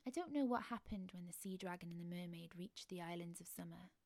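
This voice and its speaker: A woman telling a bedtime story softly and gently, slipping often into a hushed whisper. Her voice is mellow and dark, with a gravelly fry at the low end. The sound is dry and close. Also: a little fast, no echo.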